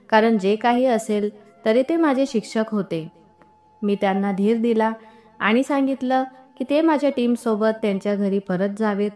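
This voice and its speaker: A woman reading an emotional first-person story aloud in a steady, earnest storytelling tone. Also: fairly high pitch. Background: faint background music.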